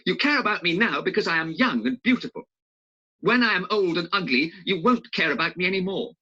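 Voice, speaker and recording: A vain, anguished young man, put on by a male audiobook reader. The voice rides well above the reader's own, straining and pleading with wide swings in pitch. The recording sounds dull and lo-fi. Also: expressive, a little fast, sharp tone, exaggerated voice. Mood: resentful. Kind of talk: audiobook character reading.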